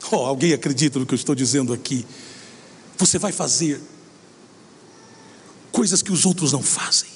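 A middle-aged man preaching a sermon, telling a story with lively acted-out dialogue. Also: medium pitch, moderate pace, a little hiss or hum. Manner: animated storytelling, acts out dialogue. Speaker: pastor. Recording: long hall reverb.

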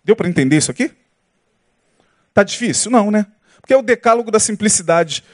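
A male Brazilian pastor preaches to his congregation in a high, very expressive voice that leaps up and down. He keeps throwing rhetorical questions at his listeners. The recording is dry and close, with little room sound. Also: dry recording. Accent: Brazilian Portuguese. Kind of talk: sermon. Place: church service with congregation.

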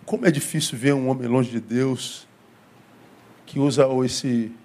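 Unhurried and a little mellow, this Brazilian Portuguese-accented man speaks at medium pitch with fairly even intonation. He's a pastor preaching a sermon, telling a story with acted-out dialogue and much repetition.

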